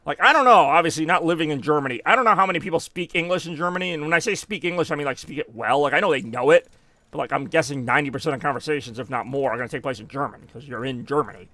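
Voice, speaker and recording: Bright-voiced American man streaming a game. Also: a little high, racing, dry recording. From United States. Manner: rambling, self-correcting, reacts to game deaths. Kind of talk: casual gameplay chat.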